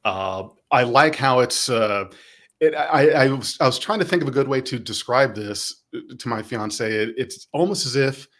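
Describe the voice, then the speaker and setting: A man's voice: mid-range voice, normal speed, fairly bright tone. A man hosting a casual podcast chat from a small room with a green screen, joking sarcastically and laughing often. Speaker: podcast host.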